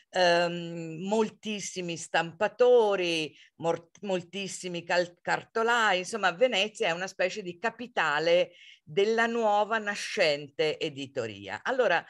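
A woman hosting a book talk in a conversational, halting way, searching for her words. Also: on the low side, fairly bright tone. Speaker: host, literary circle director. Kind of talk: unscripted conversational book presentation.

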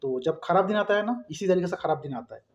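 Male vlogger, thirties, high-pitched voice, casual and repetitive delivery, recorded on a phone in a roomy space. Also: expressive, fast, muffled recording. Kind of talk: casual opinion vlog to camera. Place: small room indoors. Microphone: phone at arm's length.

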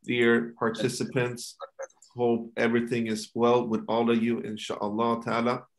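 A man's voice: mid-range voice, completely flat delivery, measured pace. Man moderating from an echoey room. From Sweden. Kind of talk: introducing an online panel discussion. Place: home kitchen indoors. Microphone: computer mic on a video call. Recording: roomy, echoing video-call sound.

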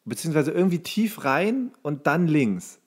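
A man's voice: a little high, very animated, moderate pace, slightly rough. A man telling anecdotes in casual chat as a podcast co-host.

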